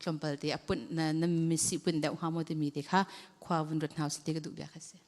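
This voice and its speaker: A woman's voice: low-pitched, fairly even intonation, very fast, darkish tone. A woman leading a church training session, talking conversationally to a group. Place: church hall. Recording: long hall reverb.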